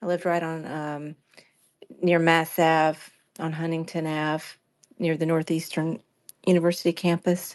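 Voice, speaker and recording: A woman with a Southern US accent and a fairly low pitch speaks at a fairly slow pace over a quiet background. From US South. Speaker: co-host. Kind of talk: casual chat.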